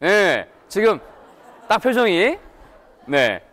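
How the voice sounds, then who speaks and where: Animated man lecturing in a hall. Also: high-pitched, very slow. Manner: animated, playful, coaxes audience to repeat after him. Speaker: English lecturer. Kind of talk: lively public lecture to an audience. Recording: reverberant hall.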